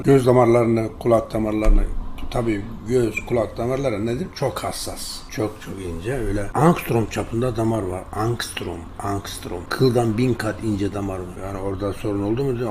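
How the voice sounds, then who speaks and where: A man's voice: on the low side, moderate pace, mellow, a little hiss or hum. An older man presenting his herbal products in an emphatic monologue, rattling off long lists and telling anecdotes. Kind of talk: promotional monologue.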